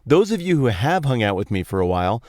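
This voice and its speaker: Fast-talking and very animated, this medium-pitched man has a darkish tone in a dry, studio-quality recording. He's a podcast host from Colorado, spinning casual Bible stories in a colloquial monologue with playful emphasis from inside a parked truck.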